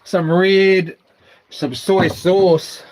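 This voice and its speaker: A man with a broad New Zealand accent talks casually to his stream, half muttering to himself in loose slang. His voice sits a little high and he takes his time between phrases. The recording has some background noise and clatter. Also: fairly even intonation, extremely slow, a little mellow, rough recording. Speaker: live streamer. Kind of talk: casual vlog chat, talking while tidying.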